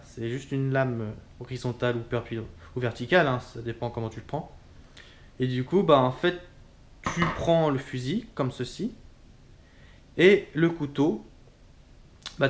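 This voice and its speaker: A man casually demonstrating kitchen tools as a cooking instructor, chatty and informal, often pausing with fillers. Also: medium pitch.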